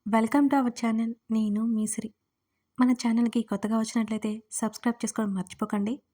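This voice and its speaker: A woman from India reading a romance audio story aloud. Her voice sits fairly high, and she tells the story expressively. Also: level tone, normal speed, warm tone. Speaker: narrator and writer. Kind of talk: scripted audio story narration.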